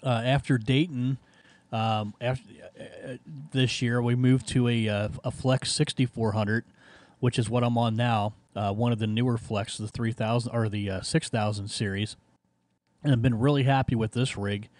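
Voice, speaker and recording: A man who operates amateur radio, chatting casually in a halting way as he searches for words. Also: medium pitch, steady tone, darkish tone, no echo. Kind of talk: casual ham radio contact chat.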